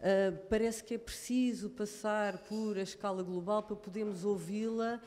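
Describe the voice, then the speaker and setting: A woman asking from the floor, thinking aloud with many pauses and fillers. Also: medium pitch, steady tone, darkish tone, long reverb tail. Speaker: audience member. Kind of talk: question from the floor.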